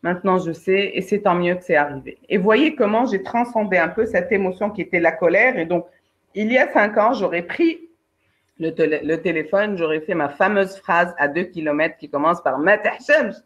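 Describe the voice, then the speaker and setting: A woman's voice: on the low side, normal speed. Woman coaching on a lo-fi webinar. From Algeria. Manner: lively, addresses participants directly, acts out examples. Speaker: career coach and trainer. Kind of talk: live webinar coaching talk. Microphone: video call. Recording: dull lo-fi online webinar audio.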